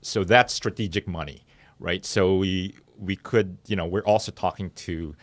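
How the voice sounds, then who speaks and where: A man speaking as an interview guest and startup founder, explaining his business in a conversational, halting and measured way in a studio. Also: low-pitched, fairly even intonation, dry recording.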